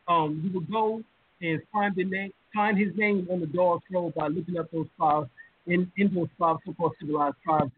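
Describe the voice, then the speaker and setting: A man's voice: on the high side, slightly rough. A man hosting a live-stream lecture, talking casually with lots of fillers and building emphasis. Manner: emphatic, with many fillers and rising heat. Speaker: lecturer and show host. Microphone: video call. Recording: tinny phone-like line.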